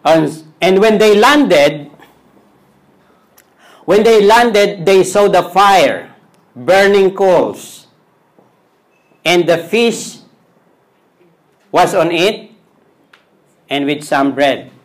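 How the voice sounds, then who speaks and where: A Filipino man, a Tagalog speaker, preaching a sermon as pastor in simple, halting English with many repeated phrases. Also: high voice, lively intonation.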